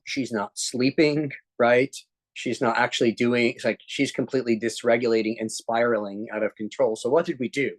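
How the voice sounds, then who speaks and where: A man speaking as an executive coach at a workshop, earnest, often checking in with "right?" and restarting sentences. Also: mid-range voice. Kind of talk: workshop talk to a live group.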